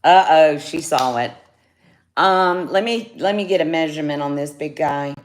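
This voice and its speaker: A woman's voice: deep voice, normal speed. A woman chatting casually on a jewelry livestream, greeting viewers by name. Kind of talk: casual live sales chat. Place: home studio, indoors.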